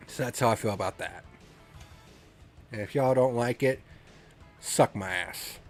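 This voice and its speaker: A man's voice: medium pitch, a little slow, faint music behind. Congested man ranting bluntly. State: congested from a cold. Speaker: racing review host. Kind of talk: casual spoken review.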